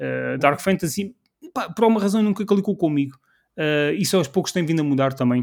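A normal speaking voice with lively intonation goes at a fairly quick pace. The recording is very clean, with a silent background. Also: man, fairly high pitch for a man. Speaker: gaming podcast host. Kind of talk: casual chat.

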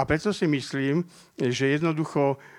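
A man's normal speaking voice, fairly high-pitched with ordinary pitch variation, at a moderate pace, dry and close with no echo, on a very clean recording with a silent background. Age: 60s. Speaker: audience member. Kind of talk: audience question.

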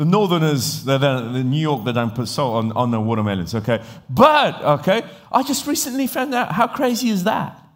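An English accent at a moderate pace, with very wide pitch swings. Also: man, fairly high pitch for a man. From England. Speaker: pastor. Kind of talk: sermon. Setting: church.

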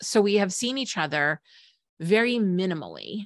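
A woman with an ordinary speaking voice talks at a moderate pace and medium pitch, her intonation lively, on a very clean recording with a silent background. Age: 40s. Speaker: business coach and podcast host. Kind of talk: casual interview chat.

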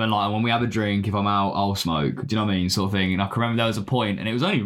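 A man's fairly low voice with an East Midlands accent and ordinary pitch variation. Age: 20s. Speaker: podcast host. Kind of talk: casual chat. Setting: studio.

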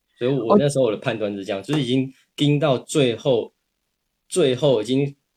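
This man's pitch is medium with ordinary pitch variation, and his pace is moderate. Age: 30s. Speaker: yoga teacher, former engineer. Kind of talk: interview. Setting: online live stream.

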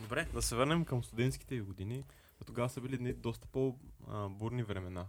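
The clip features a normal speaking voice at a moderate pace with ordinary pitch variation. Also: man, medium pitch for a man. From Bulgaria, Burgas. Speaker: student podcast host. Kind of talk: interview.

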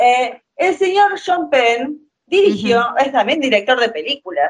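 Her pitch swings very widely as the woman speaks. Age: 30s. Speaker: podcast co-host. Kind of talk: casual chat. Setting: call. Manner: animated.

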